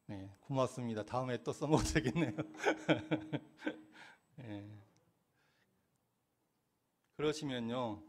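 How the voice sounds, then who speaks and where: A man's voice: mid-range voice, slow pace, long pauses, darkish tone, a little hiss or hum. Man preaching, quizzing his congregation. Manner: asks questions and answers them himself, laughing now and then. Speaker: Won Buddhist minister. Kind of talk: sermon with questions to the congregation.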